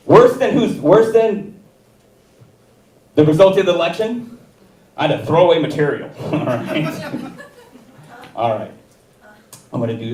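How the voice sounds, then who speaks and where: A man's voice: mid-range voice, darkish tone. A middle-aged man doing rambling, self-deprecating stand-up on a theater stage. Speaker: student stand-up comic. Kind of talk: stand-up comedy. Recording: echoey theater, far mic.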